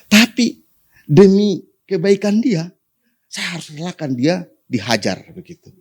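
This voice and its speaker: A pastor preaching to his congregation, often calling for amen, rising to sudden high emphatic peaks and dropping to soft endings. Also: very animated, a little slow, husky. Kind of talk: sermon.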